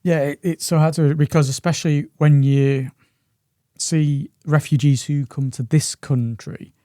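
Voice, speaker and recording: A man co-hosting an interview podcast, talking in a halting, hesitant conversational way. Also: a little high, steady tone, warm tone, no room sound, studio quality. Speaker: podcast co-host.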